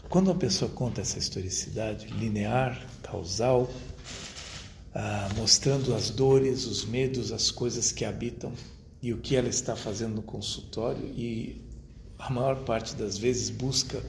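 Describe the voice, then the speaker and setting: A man giving an academic lecture to an audience at a university, speaking in a measured, rhetorical way and addressing his listeners directly. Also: medium pitch, darkish tone. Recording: roomy echo, faint background noise.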